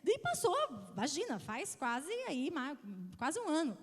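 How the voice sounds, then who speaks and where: A woman's voice: high voice, big pitch swings, unhurried. A Brazilian woman in her thirties, a pastor preaching an emphatic sermon and acting out the people in her stories. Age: 30s. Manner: emphatic, acts out quoted voices. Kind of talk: sermon with storytelling. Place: church hall, broadcast on TV. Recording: long reverb of a church hall.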